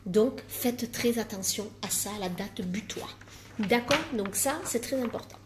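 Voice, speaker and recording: Woman life coach, emphatic and self-mocking, live-stream talk, slightly high pitch. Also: measured pace, noisy background. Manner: emphatic, repeats words for stress, jokes at herself.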